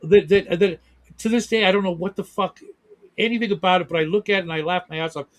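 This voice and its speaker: A man with a fairly high speaking voice chats loosely on a livestream. He rambles, swears freely and restarts his sentences often. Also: quick pace, no room sound. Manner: rambling, profane, with frequent restarts. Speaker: co-host. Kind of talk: casual livestream chat. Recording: remote livestream chat.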